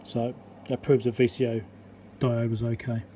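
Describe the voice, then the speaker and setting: An electronics repair host with a mellow, soft-edged voice goes over technical details casually and matter-of-factly, rambling a bit as he thinks out loud. His mid-range voice is flat and moderately paced, with faint noise in the background.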